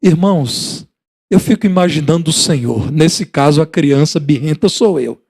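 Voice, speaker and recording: A man's voice: on the high side, normal speed, creaky, a little mellow, slightly rough. A middle-aged Brazilian man preaching a sermon as pastor, building rhythmic repetitions and voicing dialogue from his stories. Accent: Brazilian Portuguese.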